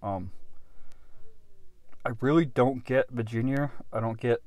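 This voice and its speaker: A man in his thirties giving a casual off-the-cuff product review, halting and unhurried as he thinks aloud, recorded in a car. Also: medium pitch, darkish tone, no echo. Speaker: pipe tobacco reviewer. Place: inside a parked car.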